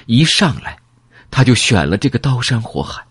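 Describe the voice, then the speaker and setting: Man doing a calm woman, flat cool delivery, husky, dry close sound. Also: medium pitch, moderate pace, dry recording, voice pushed up. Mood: cool, grave. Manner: speaks flatly and coolly. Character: calm middle-aged woman recalling a grim past.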